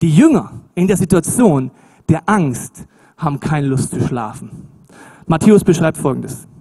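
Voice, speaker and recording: A man preaching a sermon in an animated, emphatic, colloquial way, with swings between loud emphasis and hushed asides. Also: on the high side, a little slow, husky.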